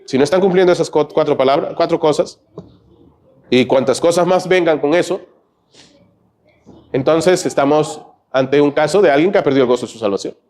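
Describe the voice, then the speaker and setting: Peruvian guy preaching sunday church, kinda high voice, keeps tossing "¿ve?" at the crowd. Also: brisk, pauses often, darkish tone. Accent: Peruvian Spanish. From Peru. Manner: conversational preaching, frequent "¿ve?" and "¿no?" asides. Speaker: pastor. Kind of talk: sermon. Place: church sanctuary.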